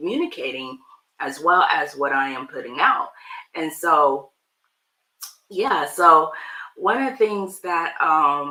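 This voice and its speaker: Her pitch fairly low, a woman with a Georgia accent speaks with lively intonation. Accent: Southern American (Georgia). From US South, Georgia. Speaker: life coach. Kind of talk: motivational talk show. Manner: slow; casual, conversational.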